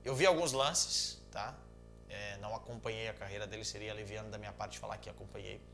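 A man in his thirties with a Brazilian Portuguese accent, a football commentator casually answering viewer messages in a joking, animated way from a small room at home. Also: on the low side, brisk, creaky, music in the background. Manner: animated, joking, gestures a lot. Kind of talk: casual chat.

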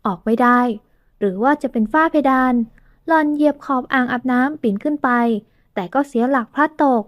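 ผู้หญิงเสียงสูงอ่านนิยายรักแบบนิยายเสียง เล่าเรื่องอย่างสม่ำเสมอ บันทึกเสียงแห้ง ไม่มีเสียงก้องห้อง. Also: female voice, sits high, a little fast, no echo, studio quality. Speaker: audiobook narrator. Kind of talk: scripted romance novel narration.

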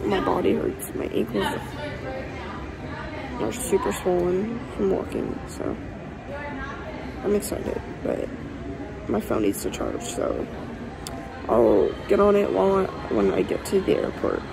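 A woman's voice: mid-range voice, sing-song, measured pace, vocal fry, pauses often. A teenage girl vlogging casually on a theme park trip, chatty, worn out and poking fun at herself, filmed on a phone. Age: teens. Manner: chatty, tired and self-deprecating. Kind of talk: casual travel vlog. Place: theme park, buses and plane. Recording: phone recording with music and crowd noise.

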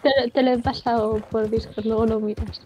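A woman's voice: a little high, fairly even intonation, normal speed, a little mellow. A woman from Spain chatting and teasing a friend while they play a video game together. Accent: Spain Spanish. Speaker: co-player. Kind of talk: casual chat while gaming.

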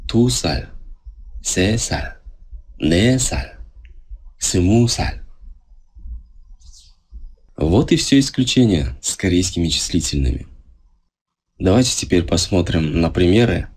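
Slow, husky-voiced male language teacher. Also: sits low. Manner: relaxed, explains step by step, asks the viewers questions. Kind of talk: casual video lesson. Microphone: voice-over over filmed handwritten notes.

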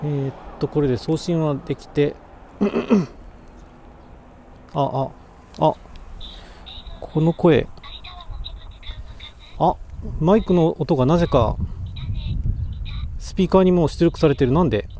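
A man's voice: fairly high pitch, slow, long pauses, dark tone, slight background noise. A man livestreaming outdoors, chatting casually to viewers while testing and fixing his microphone through a voice recorder. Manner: mumbling mic checks, talking to viewers while fixing audio. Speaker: cycling livestreamer. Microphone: voice recorder mic.

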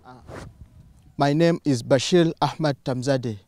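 A man's voice: medium pitch, unhurried, a little mellow. A young man from Uganda in the audience, earnestly telling a personal story into a handheld mic. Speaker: student in the audience.

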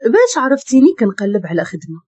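A woman's voice: on the high side, sing-song, quick pace, mellow, slightly rough, no room sound. A woman voicing a desperate young woman who cares for her little sister, pleading with a Moroccan accent.

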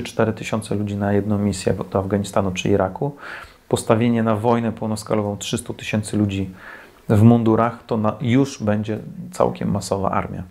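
A man's voice: on the low side, gravelly, a little mellow. A man in his forties from Poland, giving scornful, sarcastic critical commentary to camera from a small indoor room. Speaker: defense commentator. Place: small indoor room, plain white wall.

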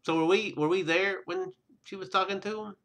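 Male game streamer, casual and rambling, bright expressive voice, light game music underneath. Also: high voice, a little fast. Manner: rambling, joking. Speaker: let's play host.

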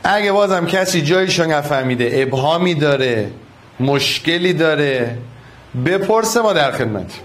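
A man's voice: on the high side, lively intonation, a little hiss or hum. A man teaching a physics problem to an online class, coaxing and affectionate, repeating each step.

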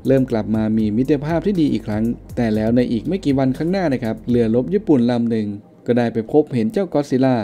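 Male film-recap narrator, rapid delivery, deep mellow tone, casual slangy voice-over. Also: animated, faint music behind. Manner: chatty, slangy, polite particles.

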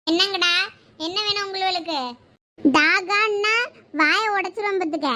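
A woman's voice: very high voice, unhurried, pushed and bright, heavily acted. A woman playing an arrogant, taunting female college bully. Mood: defiant. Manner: rude, taunting.

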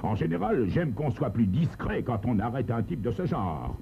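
A man's voice: medium pitch, sing-song, moderate pace, gravelly, pitched above the performer's own voice. A man playing a blustering store boss. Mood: angry, blustering. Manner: blustering, grumbling, stammering. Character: pompous, irritable store director, middle-aged man. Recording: tinny lo-fi recording, faint hiss.

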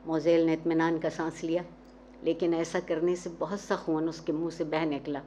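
A woman storyteller giving a measured, expressive dramatic reading of a literary short story. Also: low-pitched, a little hiss or hum. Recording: dull, muffled recording with faint ambience.

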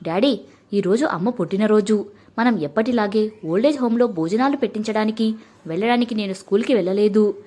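A woman with a husky voice voicing a grieving young schoolgirl in a storybook reading. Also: medium pitch, brisk, warm tone, lightly acted. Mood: earnest. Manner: tearful pleading. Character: young schoolgirl grieving her dead mother.

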